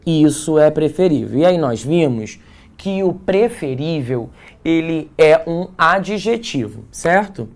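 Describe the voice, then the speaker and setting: A Brazilian man teaches grammar in a live online prep class. He explains patiently and keeps checking that students follow with quick tags like "right?" and "okay?". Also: fairly high pitch, expressive. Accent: Brazilian Portuguese. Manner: explanatory, frequent check-ins like "certo?" and "tá?".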